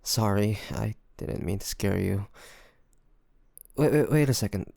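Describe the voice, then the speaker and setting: A man playing a loving, worried boyfriend in an intimate roleplay audio drama, speaking gently and hesitantly in a pleading way. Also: fairly low pitch, measured pace, gravelly, no room sound. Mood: concerned, apologetic. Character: loving, worried boyfriend coaxing his sick partner to rest.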